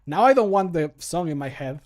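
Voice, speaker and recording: Joking, sweary man, slightly high voice. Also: lively intonation, moderate pace, a little mellow. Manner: joking, sweary, self-deprecating. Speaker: content creator and voice actor. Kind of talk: casual livestream chat while recording. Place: small home room. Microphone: close studio microphone.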